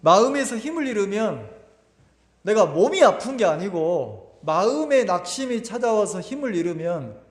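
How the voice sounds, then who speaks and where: A pastor giving a Sunday sermon in a lively, conversational way, asking the congregation rhetorical questions and repeating his words often. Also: sits high, moderate pace. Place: church sanctuary. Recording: echoey church hall with long reverb.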